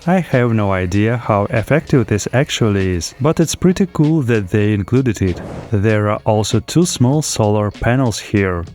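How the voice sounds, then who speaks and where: A man's voice: lowish voice, darkish tone. A man reading scripted voice-over narration as a product reviewer. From lives in Spain.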